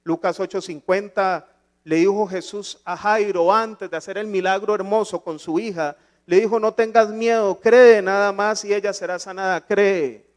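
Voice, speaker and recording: High-voiced man preaching a sermon. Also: steady tone, moderate pace. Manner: preaching with rhetorical questions and emphatic rises. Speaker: pastor. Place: church.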